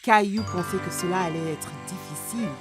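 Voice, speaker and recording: A woman narrating a children's cartoon in a gentle, even storytelling manner. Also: lowish voice, a little fast. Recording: narration over loud cartoon music.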